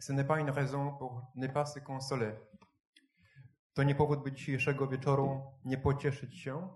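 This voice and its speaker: A man's voice: medium pitch, little pitch movement, a little mellow. A man leading a panel discussion, posing careful and analytical questions. His voice sits in an ordinary middle range, and the recording carries a noticeable echo from the room. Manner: measured and analytical. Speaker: moderator. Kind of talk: moderated discussion. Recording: roomy echo.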